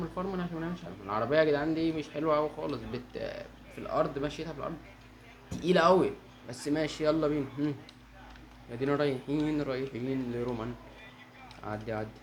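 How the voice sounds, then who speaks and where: Fast-talking Egyptian man gaming. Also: on the high side, slight background noise. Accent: Egyptian Arabic. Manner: fast, excitable, talks to viewers. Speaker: gaming channel host. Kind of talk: gameplay commentary.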